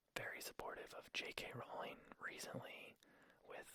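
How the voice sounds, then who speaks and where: A man is whispering. He talks at a very slow pace. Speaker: ASMR creator. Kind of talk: ASMR whisper ramble. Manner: whispered.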